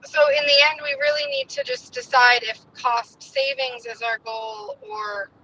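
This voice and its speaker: A woman's voice: high-pitched, sing-song, a little slow, sharp tone. A woman on a phone call from a moving car while driving, politely asking questions to steer a meeting discussion. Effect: calling in from a car on a phone. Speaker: board member.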